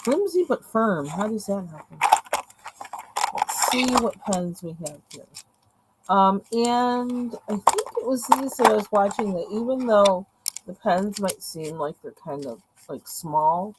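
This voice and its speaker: A woman's voice: mid-range voice, animated, a little slow, heavy background noise. A woman with a voice that is going, chatting casually and rambling with many fillers while unboxing pens at her desk. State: losing her voice. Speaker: vlogger unboxing art supplies. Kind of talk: casual chat. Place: indoors at a home desk. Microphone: camera over the desk, hands seen.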